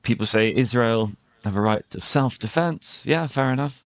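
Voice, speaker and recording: A British man, an English teacher, talking casually about current affairs in a searching, halting way with rhetorical questions. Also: mid-range voice, dry recording. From Britain. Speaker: English teacher and conversation host.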